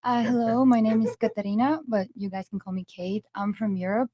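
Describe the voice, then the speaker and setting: A woman's voice: fairly high pitch, fairly even intonation, a little fast, mellow. A woman of twenty from Italy, a podcast guest explaining her background hesitantly. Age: 20s.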